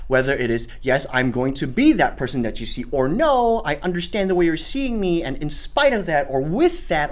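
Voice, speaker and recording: A young man from Singapore who speaks with a learned American accent, talking as an actor in an interview. He is animated and expressive, often restarting his phrases and breaking into the voices of people he quotes. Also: mid-range voice. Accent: General American, learned. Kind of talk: casual interview.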